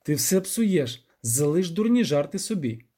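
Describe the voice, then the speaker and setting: A man's voice: on the high side, very animated, a little slow, mellow, husky, exaggerated voice. A man doing a curt, stern monster hunter. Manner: curt, hissing. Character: stern grim male monster hunter, terse.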